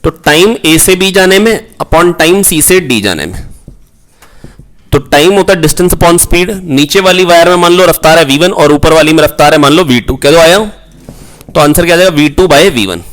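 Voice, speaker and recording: Male physics tutor, somewhat high voice, repetitive and coaxing, full of questions to the class. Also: moderate pace, a bit bright. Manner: coaxing, repeats key points, calls students "beta"; asks rhetorical questions, prompts answers. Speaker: physics teacher. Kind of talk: online exam-prep lecture.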